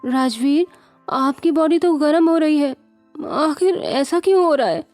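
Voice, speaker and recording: A high, pleading young woman's voice, anxious and tearful, as a woman narrator puts her on. She sounds well above the storyteller's usual pitch. Faint music plays underneath. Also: lively intonation, measured pace, a little mellow, no echo. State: crying.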